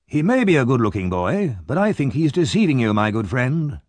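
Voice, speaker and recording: A man voicing a fierce, argumentative old gentleman who scoffs gruffly. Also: mid-range voice, very animated, a little fast, no room sound, studio quality, voice pushed up. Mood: scoffing.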